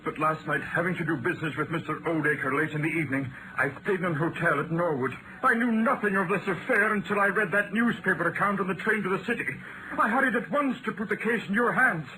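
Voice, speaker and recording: An actor playing an agitated, earnest young solicitor, prone to stammering, in a radio mystery. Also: male voice, sits high, fast talker, lightly acted. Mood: earnest, anxious. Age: young adult. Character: anxious young London solicitor wrongly accused of murder. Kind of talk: 1940s-style radio acting. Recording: noisy vintage radio drama recording.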